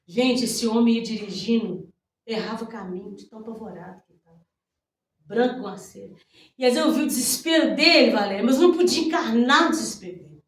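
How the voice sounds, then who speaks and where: A Brazilian woman pastor with a high voice gives an animated preaching testimony, bursting into loud praise. She sounds far from the mic, and her voice rings through a very echoey hall. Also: brisk.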